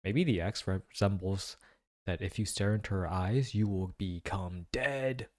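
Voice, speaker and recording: A man hosting a casual reaction video, thinking aloud in slangy, excitable commentary. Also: sits low, measured pace. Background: faint music.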